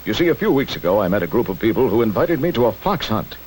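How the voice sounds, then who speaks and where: An actor voicing a vain, pompous square-jawed hero in a 1960s cartoon. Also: male voice, lowish voice, very animated, quick pace, very noisy. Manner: smug, pompous hero talk.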